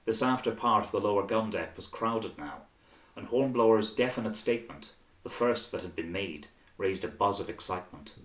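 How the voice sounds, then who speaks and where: Low-voiced male narrator, roomy sound. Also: lively intonation, normal speed, fairly bright tone. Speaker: audiobook narrator. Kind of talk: scripted storybook narration.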